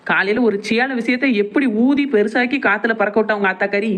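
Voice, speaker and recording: Lady doing a sassy cartoon wife, sarcastic, quick talker. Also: fairly high pitch, natural voice. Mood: scolding. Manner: sharp, sarcastic. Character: sharp-tongued young wife, quarrelsome.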